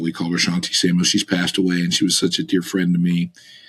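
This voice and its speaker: This man has a very deep, low pitch and speaks with a Midwestern US accent. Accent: General American, Midwestern. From US Midwest, small-town Kansas. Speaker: university athletics fundraising executive. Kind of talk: interview, podcast conversation. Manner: halting, many fillers and repetitions.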